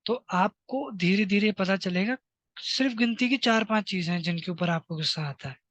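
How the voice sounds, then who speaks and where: Male teacher slowly dictating to children. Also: high voice, fairly bright tone. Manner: slow, dictating phrases for students to repeat. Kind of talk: classroom lesson to children.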